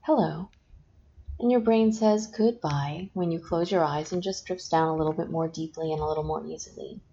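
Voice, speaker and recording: A woman hypnotist talks the listener down into trance with slow, soft, repeated suggestions. Her voice sits low and mellow. The recording is dull and lo-fi, with a faint hiss underneath. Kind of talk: guided hypnosis session. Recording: dull lo-fi sound with faint noise.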